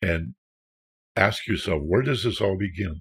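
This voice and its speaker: A man talks at a fairly slow pace in a somewhat breathy voice, with a dry, close sound and no echo. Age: 70s. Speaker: spiritual teacher and podcast host. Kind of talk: lecture. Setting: online class on Zoom.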